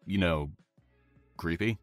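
A man's voice: low voice, slow, no echo, faint music behind. An actor playing an awkward, polite man in an audio drama, speaking hesitantly. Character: Dan, awkward, polite male acquaintance.

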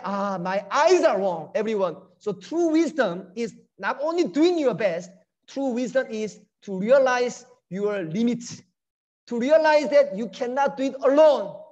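High-pitched man giving a motivational talk. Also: darkish tone. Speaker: guest lecturer. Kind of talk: motivational online lecture. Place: indoors on a video call. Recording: dull, lo-fi video call.

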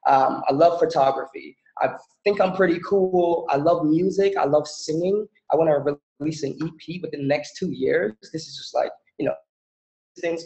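A man from the Bahamas giving a relaxed, chatty presentation over a video call, with many fillers. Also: on the high side. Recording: echoey, dull video-call audio.

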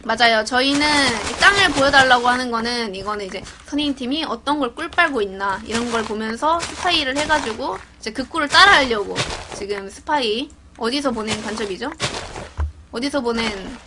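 A woman gaming YouTuber giving casual gameplay commentary, chatty and narrating her own actions with excited exclamations. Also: fairly high pitch, a little fast, background noise.

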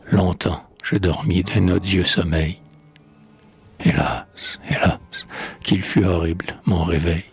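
A man reading as Hercules, deep and lamenting. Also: breathy edge, heavily acted. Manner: solemn, lamenting recitation. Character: grieving guilt-stricken hero Hercules, adult man.

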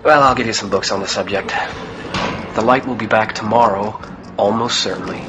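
An actor playing a wry, kindly, gently teasing Catholic priest in a radio play. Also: male voice, lowish voice, steady tone, brisk, music in the background, natural voice. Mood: gently playful. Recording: clearly noisy background ambience.

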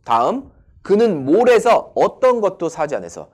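Lively male English teacher. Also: high-pitched, normal speed. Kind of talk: online English lesson.

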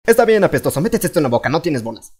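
A man's voice: fairly high pitch, big pitch swings, racing, darkish tone, husky. A man doing a sly, threatening cartoon mom. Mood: scheming. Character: strict scheming middle-aged mother.

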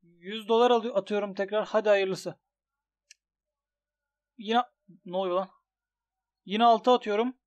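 Young male gaming streamer, high voice, excitable, groans and yells at his own bets. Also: unhurried, long pauses, muffled recording. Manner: excitable, swings from grumbling to shouting at losses. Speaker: gaming YouTuber. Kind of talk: commentary on an online gambling site.

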